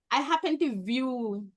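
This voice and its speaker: A woman from Belize sharing earnest, somewhat halting comments as a guest on an online meeting video call. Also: high-pitched, no echo. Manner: earnest, hesitant restarts.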